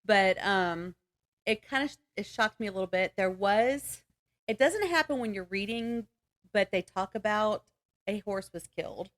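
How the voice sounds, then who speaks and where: A woman's voice: mid-range voice, lively intonation, moderate pace, a bit bright. A woman podcast co-host chatting casually about books in a rambling, giggly way. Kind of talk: casual book chat.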